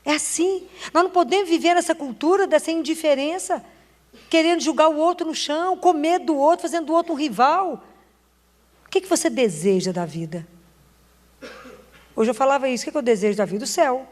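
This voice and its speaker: A woman's voice: sits high, brisk, big-room sound. A Brazilian woman preacher giving an emotional, earnest sermon in short, urging phrases. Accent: Brazilian Portuguese. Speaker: Catholic preacher.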